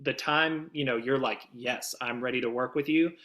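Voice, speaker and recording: A man's voice: medium pitch, normal speed, sharp tone. A man speaking as an interview guest and demo producer, conversational, earnest and emphatic.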